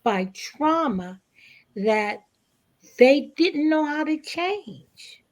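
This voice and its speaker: Higher-pitched woman, emphatic and deliberate. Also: lively intonation. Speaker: stage play cast member, guest. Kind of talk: reflective panel interview talk.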